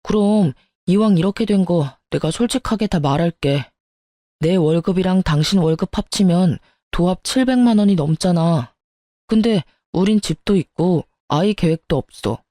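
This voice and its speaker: A woman's voice: on the low side, animated, moderate pace, mellow, dry recording, studio quality, lightly acted. A woman voicing a greedy, demanding young husband who talks in a petulant, accusing way. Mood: whiny.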